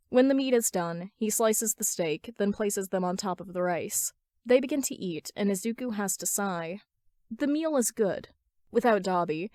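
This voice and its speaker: A woman's voice: medium pitch, darkish tone, no room sound, clean studio sound. A woman reading scripted fan fiction as an amateur story narrator.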